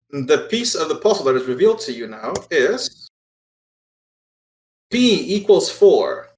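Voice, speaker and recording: A man narrating a tabletop game as game master, explaining things in a halting way. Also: fairly high pitch, fairly bright tone, reverberant, low-quality recording.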